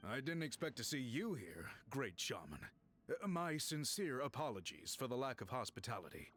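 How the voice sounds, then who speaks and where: Courteous tribal chief. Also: male voice, mid-range voice, sing-song, fairly bright tone, a little hiss or hum. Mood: apologetic. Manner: measured and formal.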